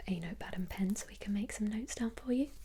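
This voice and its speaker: Soft-spoken, a woman talks at a fairly quick pace. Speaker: hairstylist in roleplay. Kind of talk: ASMR hairdresser roleplay, soft-spoken. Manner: soft-spoken, natural pace.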